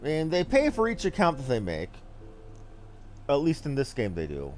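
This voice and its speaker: A man's voice: mid-range voice, huge pitch swings, normal speed, darkish tone, slight background noise. A man giving casual live game commentary as a streamer, rambling and blunt with some mild swearing. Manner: rambling, blunt, mildly profane.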